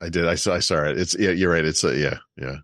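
A man's voice: sits low, fast talker, a bit bright, no echo. A man co-hosting a tech podcast, rambling through half-remembered references with self-deprecating jokes and frequent laughter. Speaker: co-host. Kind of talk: casual tech show chat.

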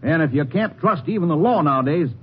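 Really husky upset citizen guy, kinda high, muffled old radio. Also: expressive, brisk. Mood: indignant. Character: aggrieved male citizen, distrustful. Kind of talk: 1950s radio drama acting. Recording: muffled 1950s radio recording.

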